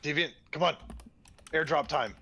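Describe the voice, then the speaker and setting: A man's voice: a little high, normal speed, bright, forceful tone, slightly rough. A man chatting casually as he describes his moves as a tabletop game player.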